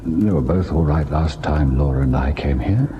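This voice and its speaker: An actor playing a haunted husband who tells and relives a ghost story in a grave, deliberate radio drama style. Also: male voice, very deep voice, muffled recording. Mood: shaken, defensive. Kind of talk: old-time radio ghost story acting, narrating and in scene. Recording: noisy old radio drama recording.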